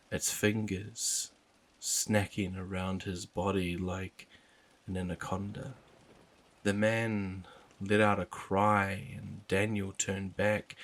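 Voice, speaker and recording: A man narrating a first-person horror story in a low, even, unhurried manner.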